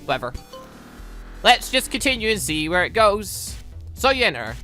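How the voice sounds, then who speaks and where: Bright, animated gaming commentator. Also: medium pitch, moderate pace. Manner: animated, rambling, self-questioning asides. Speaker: gaming channel host. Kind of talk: let's play commentary, reading game dialogue aloud. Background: game music.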